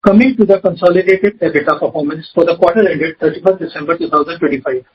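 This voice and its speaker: A man's voice: on the high side, fast talker, slight background noise. A man with an Indian accent formally presenting scripted financial figures as a company executive on an earnings call. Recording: dull, lo-fi conference call audio.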